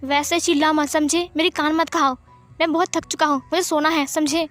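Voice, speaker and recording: A woman voicing a stern, irritable aunt who scolds and nags with sharp questions, in a storybook reading. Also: high-pitched, little pitch movement, normal speed, faint music behind, pitched above the performer's own voice. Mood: scolding.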